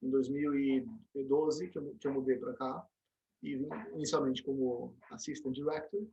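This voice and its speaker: A middle-aged Brazilian man being interviewed, telling animated stories with frequent restarts and tag questions. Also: mid-range voice, moderate pace, lo-fi sound. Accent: Brazilian Portuguese. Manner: storytelling, animated, many restarts and "né?" tags. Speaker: interview guest, dentist and program director. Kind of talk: casual interview conversation.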